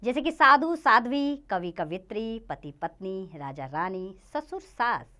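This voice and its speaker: A woman's voice: medium pitch, animated, unhurried, pushed and bright. A woman teaching a grammar lesson to children, reading word lists in a rising and falling lilt and speaking to them directly. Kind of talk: Hindi grammar lesson narration.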